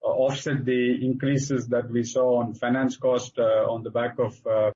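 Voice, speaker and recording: Husky Indian man presenting company results, muffled audio. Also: mid-range voice, little pitch movement, warm tone. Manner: halting, hesitant delivery with frequent filler sounds. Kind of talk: earnings call presentation. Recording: dull lo-fi conference call audio.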